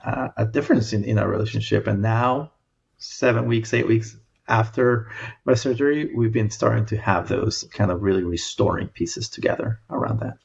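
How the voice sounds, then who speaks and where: A man's voice: on the low side, moderate pace, creaky, breathy edge, lo-fi sound. A man in his late forties from El Salvador, a podcast guest talking reflectively with many fillers and restarts. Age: 40s. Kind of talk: reflective conversation.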